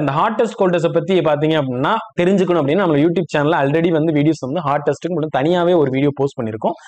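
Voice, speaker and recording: A man's voice: on the high side, a little mellow. A man giving a step-by-step spoken tutorial as a repair instructor, explaining and checking understanding with short questions. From India.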